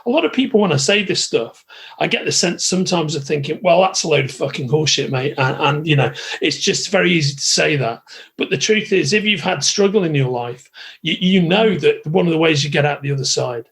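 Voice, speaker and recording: A man hosts a casual podcast chat, his voice rough with gravelly fry and sitting a bit high for a man. He talks effusively, restarts his phrases and packs them with "you know". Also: expressive, a little fast, a bit bright. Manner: effusive, repeats words, many "you know" fillers. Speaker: podcast host.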